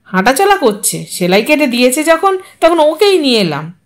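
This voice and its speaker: Woman reading a scrawny poor fellow, blunt and businesslike, high and lively. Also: normal speed. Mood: matter-of-fact.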